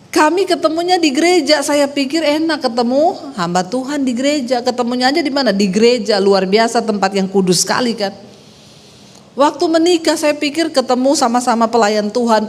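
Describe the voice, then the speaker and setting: A woman pastor from Sulawesi with a Sulawesi accent, preaching a sermon as lively storytelling with rising phrase endings. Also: high voice. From Sulawesi, Indonesia. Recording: long reverb of a hall.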